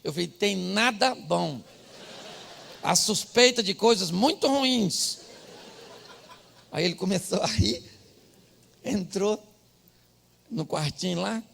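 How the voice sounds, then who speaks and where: A middle-aged Brazilian man preaches a humorous sermon in a high, bright voice with a heavy gravelly edge. He tells his story in a comic way, moving from hushed asides to loud, shouted punchlines. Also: animated, takes it slowly, pauses often, slight background noise. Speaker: pastor.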